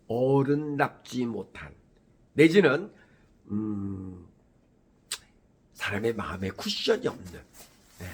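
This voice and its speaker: A man's voice: medium pitch, husky. A middle-aged man hosting a morning broadcast, talking animatedly and acting out quoted voices. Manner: animated, acts out quoted voices, frequent "예" fillers. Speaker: host.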